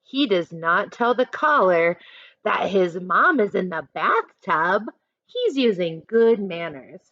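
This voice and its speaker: A woman teacher reading aloud to children, adding chatty instructive asides in an expressive manner. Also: medium pitch, takes it slowly, no echo, lo-fi sound. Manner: expressive, instructive, acts out short examples.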